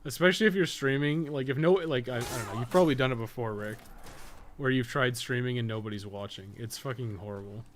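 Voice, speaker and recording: A man streams a video game in an average-pitched voice, chatting casually with viewers. He swears and jokes as he plays, with clearly audible noise and game ambience behind him. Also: fast talker. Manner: profane, joking. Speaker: live streamer, podcast co-host.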